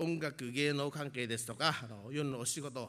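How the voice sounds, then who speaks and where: Intonation stays fairly even in a normal speaking voice. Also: man. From Okinawa, Japan. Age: 50s. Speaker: seminary student preacher. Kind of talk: sermon; testimony. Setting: church.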